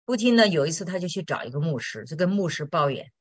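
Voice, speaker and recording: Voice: mid-range voice, animated, fast, dry recording. A Christian teacher answering listener questions in a sermon-style talk, direct and blunt, with frequent tag questions.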